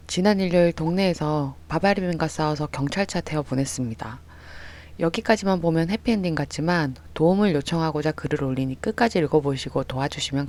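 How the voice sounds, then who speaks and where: A story radio host reading a submitted real-life story aloud, with an even reading voice that rises and gets louder on quoted lines. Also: mid-range voice. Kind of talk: scripted narration of a reader's story.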